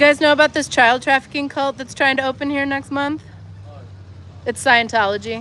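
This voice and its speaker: With a Michigan accent, a woman in a high voice speaks in a raised, projected way at a fairly quick pace, leaving long, frequent pauses. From Michigan, north of Detroit suburbs. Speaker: street protester livestreamer. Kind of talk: casual street livestream chat. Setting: outdoors on a street corner. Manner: animated.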